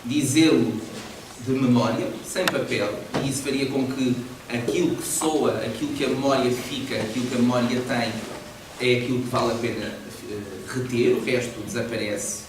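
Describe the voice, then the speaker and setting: A man's voice: mid-range voice, normal speed. A man teaching a poetry class, explaining with animation and frequent laughs. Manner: lively, explanatory, laughs often. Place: large echoey library hall. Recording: echoey hall, distant mic, noisy.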